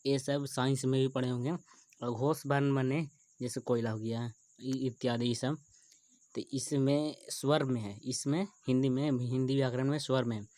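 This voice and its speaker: A man's voice: medium pitch, fairly even intonation, moderate pace, dark tone, no echo. A man teaching a grammar lesson, working through definitions and examples, often repeating terms as he thinks aloud. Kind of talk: Hindi grammar lesson over screen recording.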